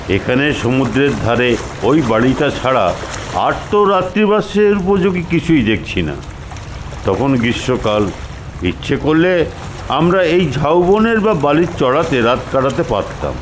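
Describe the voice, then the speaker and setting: Older man reading a story, lively. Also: medium pitch, echoey room, long reverb tail. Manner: expressive, unhurried reading with acted voices. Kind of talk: reading a ghost story aloud. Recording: background noise.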